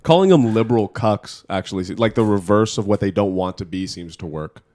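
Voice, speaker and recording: A man with a low voice who asks blunt, probing questions in short bursts. He is talking casually on a podcast among friends. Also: brisk, warm tone. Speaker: podcast co-host. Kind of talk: casual banter over drinks.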